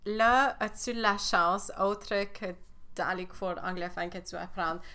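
Une animatrice de balado et éducatrice parle d'une voix ni grave ni aiguë. Elle garde un ton posé et bienveillant pendant toute la conversation. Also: female voice, medium pitch, fairly even intonation, measured pace. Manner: warm, encouraging, reflective questions. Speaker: podcast host and educator. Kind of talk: podcast interview.

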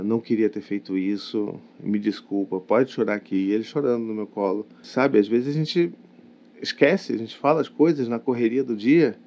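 A man's voice: fairly low pitch, a little mellow. A man with a Brazilian Portuguese accent, a father talking to his camera in a personal, confessional vlog, reflective and hesitant, often adding tag questions. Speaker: father of young children. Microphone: talking to camera, self-recorded.

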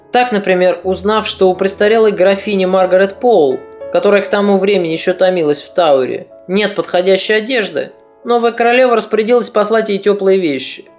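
A podcast narrator delivers a scripted historical account at a medium pitch, telling the story in a measured way and adding ironic asides.

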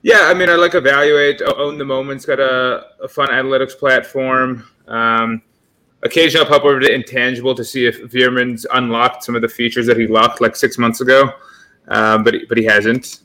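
A man in his thirties co-hosts a casual podcast. He has a bright, clear voice and a dry, wry sense of humor. He speaks calmly at a middle pitch. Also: a little fast. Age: 30s. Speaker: podcast co-host.

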